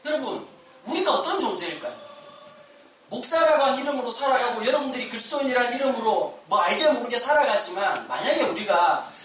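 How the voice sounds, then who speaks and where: A man's voice: extremely high pitch, brisk, a little hiss or hum. A male pastor giving a sermon, telling stories and acting out quotes with animation. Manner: animated storytelling with acted-out quotes. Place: church sanctuary. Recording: echoey church hall, mic at a distance.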